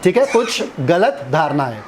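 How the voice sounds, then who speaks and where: A man's voice: a little high, very animated, unhurried, a little hiss or hum. A man preaching in a casual, conversational style, teasing the audience and asking them questions. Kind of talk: conversational Hindi sermon.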